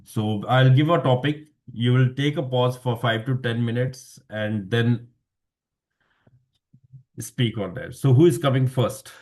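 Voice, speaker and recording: A man hosting a speaking club's impromptu session over a video call, halting and rephrasing as he searches for words. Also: medium pitch, a little mellow. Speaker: table topics master.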